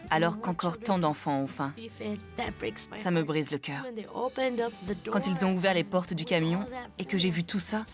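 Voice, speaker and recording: A woman dubbing a charity volunteer, speaking in a soft, heartfelt way. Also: fairly low pitch. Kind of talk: dubbed reality-show interview. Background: background music.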